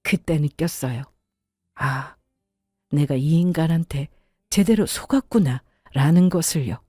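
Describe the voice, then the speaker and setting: Woman, first-person story narration, indignant, confiding, mellow, dry. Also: low voice, animated, normal speed, breathy edge, dry recording, soft background music.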